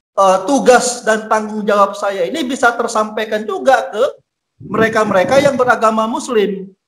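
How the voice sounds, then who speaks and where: A man with a high pitch speaks at a moderate pace. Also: ordinary pitch variation. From Sumatra, Indonesia (Batak). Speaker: pastor. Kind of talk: interview. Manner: firm, forceful delivery.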